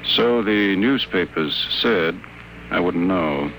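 An actor playing a wry, wary sanitarium patient with a dry, articulate delivery in a 1950s radio drama. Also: male voice, sits low, animated, takes it slowly, fairly bright tone, full character voice, low-quality recording. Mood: guarded. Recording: old 1950 radio broadcast, faint noise.

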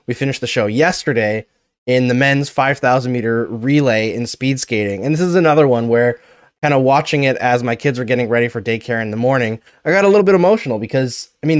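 A man's voice: medium pitch, clean tone, dry recording, clean studio sound. A man hosting a casual sports podcast, talking earnestly about the games. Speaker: podcast host.

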